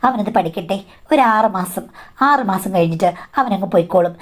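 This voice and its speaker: A woman's voice: medium pitch, fairly quick, close to an everyday voice. A curt husband giving orders, read by a woman.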